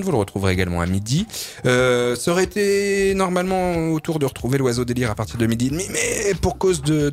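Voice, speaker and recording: Guy hosting local radio, loose and jokey, lots of ums, reading what's on this week into a studio mic. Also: mid-range voice. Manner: loose, hesitant, many fillers, jokey. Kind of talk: casual radio chat and listings.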